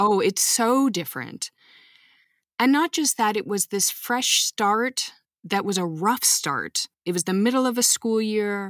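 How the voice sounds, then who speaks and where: In a dry, close sound with no echo, a woman with an American accent talks in an unremarkable speaking voice at a fairly slow pace, her pitch fairly high and her intonation lively. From US; New Hampshire, then Texas and California. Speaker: interviewee living abroad. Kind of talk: casual interview chat.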